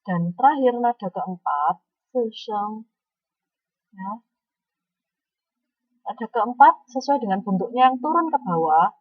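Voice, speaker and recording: A woman's voice: fairly high pitch, expressive, slow pace, long pauses, slightly rough, dry recording, narrow, tinny audio. A woman teaching a Mandarin lesson online, speaking patiently and often adding a questioning "ya".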